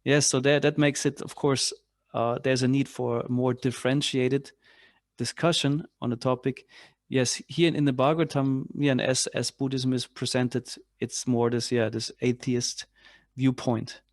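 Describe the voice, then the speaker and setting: A man leading a class on spiritual philosophy, speaking in a halting way with many restarts and fillers. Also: medium pitch, level tone, no room sound, studio quality. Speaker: class leader. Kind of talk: spiritual lecture with discussion.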